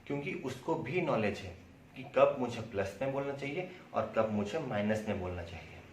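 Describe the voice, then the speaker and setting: A man's voice: medium pitch, lively intonation, moderate pace. A man with an Indian accent giving an instructional lecture, explaining things by asking questions and answering them himself. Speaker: acting instructor. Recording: roomy echo, distant mic, faint noise.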